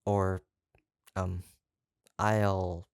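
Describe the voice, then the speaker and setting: Someone acting as obsessed yandere kidnapper, sweet but menacing, stammery n gushy, slow creaky voice, super dry close audio roleplay. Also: sits low, level tone, dry recording, heavily acted. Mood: coaxing, playful. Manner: halting, gushing, coaxing, with nervous stammers. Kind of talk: roleplay audio drama, intimate one-sided monologue.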